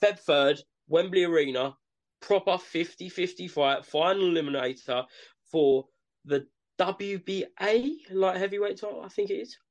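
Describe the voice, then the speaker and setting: A man with an East London accent, his voice pitched notably high for a man. He co-hosts a casual sports podcast with laid-back, matey banter. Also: normal speed. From East London, England. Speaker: podcast co-host. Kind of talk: casual boxing podcast chat.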